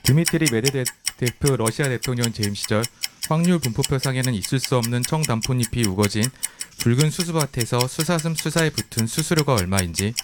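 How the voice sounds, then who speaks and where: A man, an announcer candidate, reading a tongue twister with careful crisp enunciation. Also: medium pitch, animated, a little fast, noisy background.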